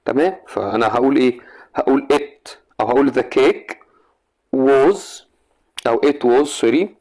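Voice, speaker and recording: A man's voice: medium pitch, moderate pace, darkish tone. Young Egyptian man, English teacher, coaxing chatty lesson delivery. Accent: Egyptian Arabic. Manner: chatty, coaxing, asks the student questions. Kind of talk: exam grammar lesson.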